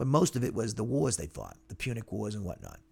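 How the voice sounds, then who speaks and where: A man's medium-pitched voice with vocal fry, ordinary pitch variation and an American accent. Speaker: Bible teacher. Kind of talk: Bible lesson lecture. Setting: church class.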